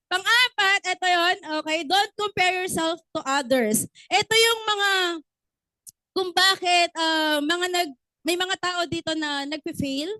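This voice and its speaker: A woman's voice: very high voice, pushed and bright, dry recording, low-quality recording. A woman giving a motivational business training talk, often asking the audience questions and acting out little stories.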